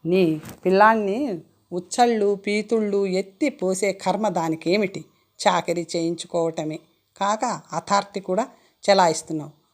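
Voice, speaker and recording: A woman voicing a sharp-tongued older mother-in-law who scolds and whines. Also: medium pitch, unhurried, natural voice. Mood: scolding. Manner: scolding, whining.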